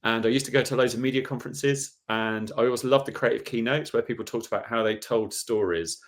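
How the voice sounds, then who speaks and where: A man's voice: mid-range voice, brisk. Englishman, guest founder, easygoing and chatty, mid-range voice. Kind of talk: relaxed interview answers.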